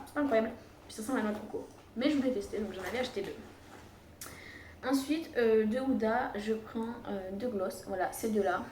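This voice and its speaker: A young woman chatting casually while she packs, wandering from one thought to the next and filling pauses with "euh". Her voice sits a little away from the microphone in an echoey room at home. A faint room hum stays underneath. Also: medium pitch, recorded from a distance. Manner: chatty, rambling with many fillers. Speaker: beauty vlogger. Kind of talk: casual chat.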